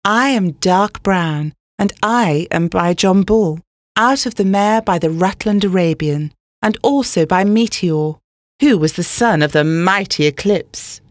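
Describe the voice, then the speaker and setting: A woman's voice: mid-range voice, unhurried, no echo, clean studio sound, close to an everyday voice. Woman voicing an earnest, smitten young racehorse. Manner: earnest, gushing, reading punctuation aloud. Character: lovestruck vain young male racehorse writing a love letter. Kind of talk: comic letter reading.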